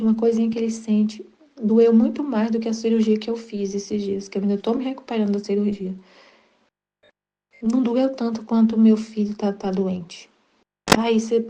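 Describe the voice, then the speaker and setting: A middle-aged woman with a Brazilian accent, hosting a Catholic devotional channel and sharing a personal spiritual reflection in an earnest, repetitive way with halting restarts. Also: mid-range voice, mellow, lo-fi sound, slight background noise. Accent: Brazilian Portuguese.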